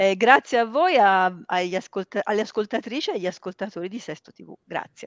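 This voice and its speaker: A woman speaks at a fairly quick pace with big swings in loudness. The sound is dry with no echo, and the background is quiet. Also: lively intonation, hardly any pauses. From Tuscany. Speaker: university rector; interviewee. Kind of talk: interview; interview answer. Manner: halting. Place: office. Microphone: headset.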